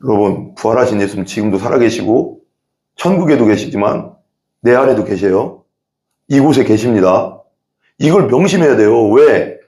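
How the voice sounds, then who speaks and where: A male pastor preaching an animated sermon in a church, acting out quoted prayers and voices. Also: mid-range voice, moderate pace, roomy sound. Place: church sanctuary.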